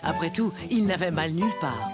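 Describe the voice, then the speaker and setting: A woman plays a warm storybook narrator for a preschool cartoon. She tells the tale gently and expressively, her pitch moving a lot, while music plays underneath. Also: animated, moderate pace, natural voice. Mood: warm storytelling. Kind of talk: scripted children's story narration.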